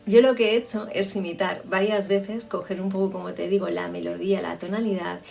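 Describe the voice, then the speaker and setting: Creaky-voiced woman coaching speech. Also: mid-range voice, steady tone, brisk, a little mellow, recorded from a distance, faint music behind. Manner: reflective, explanatory, with frequent restarts. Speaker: public speaking coach. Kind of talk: spoken lesson on communication.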